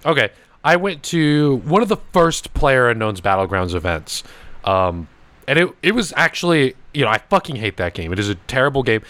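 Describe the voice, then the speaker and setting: Young male podcast host, animated profane storyteller, dry close sound. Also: mid-range voice, moderate pace, no room sound. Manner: swearing, laughing, animated anecdotes. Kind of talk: casual storytelling chat.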